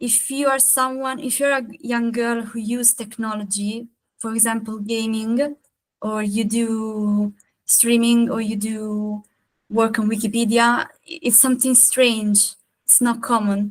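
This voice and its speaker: At a fairly slow pace, a woman speaks somewhat breathily at a fairly high pitch, her intonation monotone and flat. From Italy. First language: Italian. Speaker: university student intern. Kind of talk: seminar discussion. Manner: halting.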